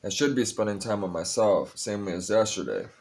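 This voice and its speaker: Young male vlogger, very low voice, tired, loose confessional ramble with plenty of swearing. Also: animated, brisk, gravelly, darkish tone. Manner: rambling, confessional, curses freely. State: tired, a bit high. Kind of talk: casual personal vlog talk.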